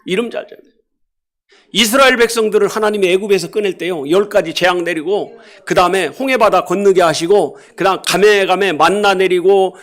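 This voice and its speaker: A middle-aged male pastor preaching a sermon in a church, animated and questioning the congregation, acting out animal sounds and scoldings. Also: high-pitched, fairly quick. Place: church sanctuary.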